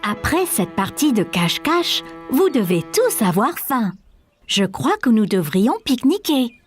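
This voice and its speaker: Slow, lilting, kindly cartoon mum. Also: female voice, fairly high pitch, sing-song. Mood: reassuring. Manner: gentle, reassuring, encouraging. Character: kind, encouraging young mother. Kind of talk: children's cartoon dubbing. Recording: faint music under the voice.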